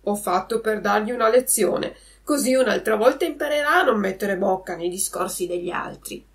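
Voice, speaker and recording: A woman's voice: mid-range voice, moderate pace, lightly acted. A woman voicing a sly male cat pretending to be blind, speaking mock-solemnly in a storybook reading.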